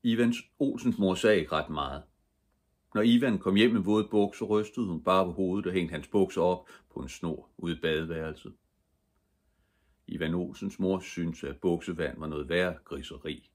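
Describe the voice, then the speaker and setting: An older man reading a children's story aloud as a bedtime story, telling it with lively character voices. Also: low-pitched. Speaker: audiobook reader.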